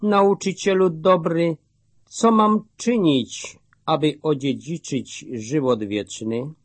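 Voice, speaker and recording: A man's voice: a little high, takes it slowly, dry recording. A man voicing a rich male dignitary who asks his questions earnestly.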